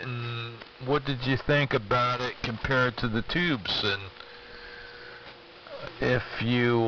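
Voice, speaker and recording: A man's voice: medium pitch, pushed and bright, distant mic. Man on a noisy, muffled shortwave radio. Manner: hesitant, rambling, thinking aloud. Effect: shortwave AM radio transmission. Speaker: amateur radio operator. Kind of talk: casual ham radio chat.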